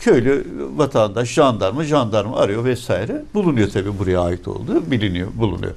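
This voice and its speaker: Using a plain, everyday voice, a man speaks at a medium pitch with lively intonation and hardly any pauses. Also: moderate pace. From Izmit, Turkey. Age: 60s. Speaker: TV talk show host. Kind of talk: interview.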